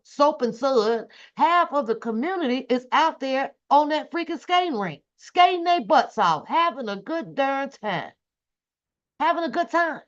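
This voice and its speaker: An American woman talks casually on her livestream in a somewhat high voice. She comments on clips with indignation and repeats her phrases to press the point. The sound is a little dull and lo-fi. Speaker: livestream host.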